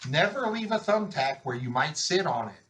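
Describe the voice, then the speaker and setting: A man's voice: a little high, sing-song, moderate pace, fairly bright tone. A man voicing an earnest storybook police officer who announces safety tips in an instructive way.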